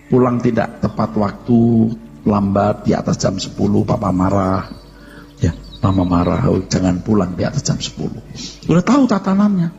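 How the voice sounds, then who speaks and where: A man preaching a sermon as a pastor, animated and scolding. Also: mid-range voice. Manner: animated, exclaiming and scolding, mixing in English words. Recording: dull sound with long hall reverb.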